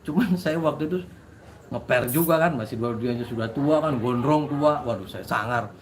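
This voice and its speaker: A man's voice: mid-range voice, moderate pace, noisy background. A man who works as a spiritual practitioner, telling a dramatic personal story to his listeners with frequent restarts.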